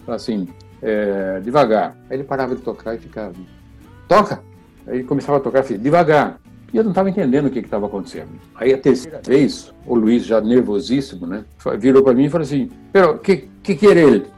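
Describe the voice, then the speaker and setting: An older Brazilian man, an oboist, telling lively anecdotes in an interview, acting out quoted dialogue and laughing often. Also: mid-range voice, racing, breathy edge, soft background music. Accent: Brazilian Portuguese.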